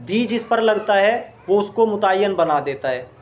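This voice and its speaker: A man's voice: high voice, lively intonation, moderate pace. A man teaching an Arabic grammar lesson in speech, explaining step by step and quizzing his listeners with questions.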